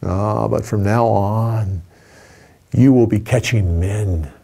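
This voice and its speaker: An older man doing a soft, tender Jesus. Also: slow pace, vocal fry, slightly rough, heavily acted. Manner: soft, quiet and low. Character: gentle, calm male Jesus, adult.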